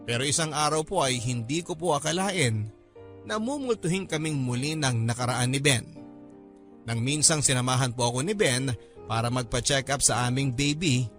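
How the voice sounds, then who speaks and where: Male story narrator over soft music. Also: mid-range voice. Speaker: drama narrator reading a letter. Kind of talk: scripted first-person story narration.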